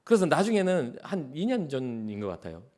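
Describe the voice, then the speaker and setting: A middle-aged man preaching a sermon as a church pastor, in a conversational way, acting out quotes and sometimes dropping to a soft whisper. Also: fairly high pitch, very animated, fairly quick. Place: church sanctuary.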